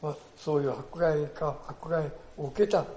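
An older man, a pastor, delivering a sermon in an earnest storytelling way, often tagging his phrases with a soft emphatic filler. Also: fairly high pitch, steady tone, moderate pace, slight background noise. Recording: echoey church hall.

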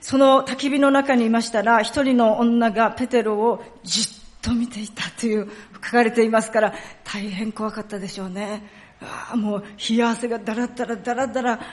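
A woman pastor delivers a sermon in a fairly high voice. She tells the story with expressive emphasis and lowers her voice to a hush at solemn moments. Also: normal speed. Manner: storytelling, acts out quoted lines and dialects; drops to a hushed tone for solemn passages.

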